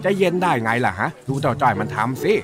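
A man's voice: mid-range voice, expressive, fast, natural voice. A man playing a grumpy, impatient old uncle in a children's radio drama. He scolds and blusters in rustic speech. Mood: scolding. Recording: music playing underneath.

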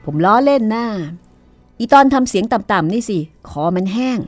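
A cowardly prankster man, played by a woman reading an audiobook, yelps and whines in a high, loud voice. He sounds panicky and sheepish. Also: moderate pace, no echo, faint music behind, natural voice.

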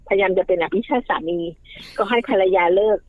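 A woman guest giving family advice in casual talk, animated, acting out quoted lines as she explains. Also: mid-range voice, brisk, no room sound. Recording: tinny phone-like line, dry.

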